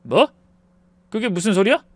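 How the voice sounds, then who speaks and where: A woman's voice: mid-range voice, sing-song, normal speed, no echo. Woman doing a pleading, stubborn husband. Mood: defensive. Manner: pleading, defensive.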